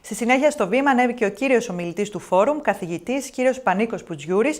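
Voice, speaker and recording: Woman, news reporter, scripted voice-over, very fast, fairly high voice. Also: a little mellow. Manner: brisk, crisp scripted delivery.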